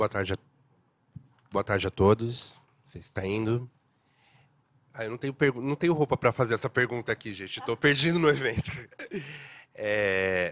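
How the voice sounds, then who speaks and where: Speaking at a moderate pace in a medium pitch, a man leaves long, frequent pauses, his loudness swinging widely in a dry sound with no echo. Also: ordinary pitch variation. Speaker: audience member. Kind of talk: audience question. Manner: halting. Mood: friendly, slightly joking. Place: hall. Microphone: handheld.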